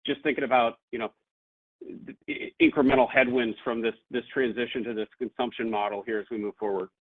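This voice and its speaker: A man with a mid-pitched voice asks a question as an analyst calling into an earnings call. He is tentative and halting, thinking aloud, and heard through a tinny phone connection. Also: steady tone. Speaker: financial analyst caller. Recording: narrow tinny phone line.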